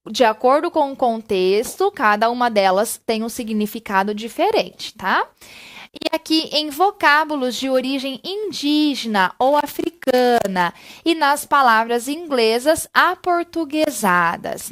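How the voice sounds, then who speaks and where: Woman, high-pitched, spelling teacher, patient step-by-step explanation, slows on examples. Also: fairly bright tone. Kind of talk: recorded online lesson.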